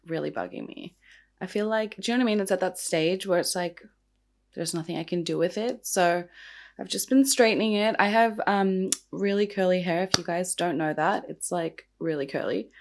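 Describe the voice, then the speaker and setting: Young woman, vlog host, croaky morning voice, gravelly fry, chatty, filler-heavy. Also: mid-range voice. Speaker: true crime and makeup vlogger.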